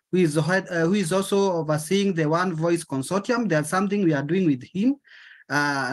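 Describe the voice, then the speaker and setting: Polite man speaking online. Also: on the high side. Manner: polite, halting. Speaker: NGO guest speaker. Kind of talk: formal remarks. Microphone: online call.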